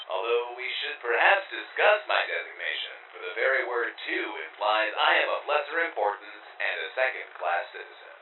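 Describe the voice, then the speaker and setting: An actor playing an aggrieved robot lover in an audio drama, speaking formally, pedantically and melodramatically. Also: male voice, mid-range voice, phone-quality sound. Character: prissy, aggrieved, long-lost robot lover. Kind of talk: audio drama recorded message. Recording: boxy echo, thin band, faint noise.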